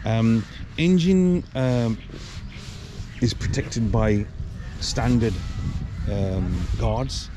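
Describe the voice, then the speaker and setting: A man's voice: mid-range voice, extremely slow, pauses often. A man giving a casual spoken motorcycle review, rambling with many ums and restarts as he stands beside the bike. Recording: loud outdoor noise behind the voice.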